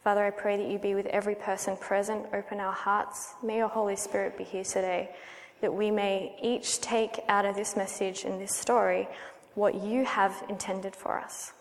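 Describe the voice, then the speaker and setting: An Australian woman in her thirties, praying and then giving her personal testimony as a guest speaker in a church, earnest and measured. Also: mid-range voice, little pitch movement. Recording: long hall reverb.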